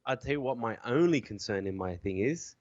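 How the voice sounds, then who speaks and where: A man talking in casual podcast banter, animated and jokey, swearing now and then. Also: mid-range voice, brisk, dry recording. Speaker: podcast guest. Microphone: Skype call. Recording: dry, dull Skype call audio.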